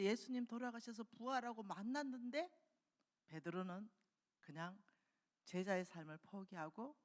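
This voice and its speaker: A woman preaching a revival sermon in a church, telling the story with lively acted-out dialogue. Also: medium pitch. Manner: animated storytelling, acting out quoted dialogue. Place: church sanctuary. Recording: long hall reverb.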